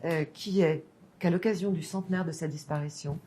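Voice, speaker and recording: A woman's voice: on the low side, fairly even intonation, a little fast, warm tone, a little hiss or hum. A woman author being interviewed about her biography, speaking emphatically and enthusiastically, with many restarts and fillers. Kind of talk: passionate interview answers.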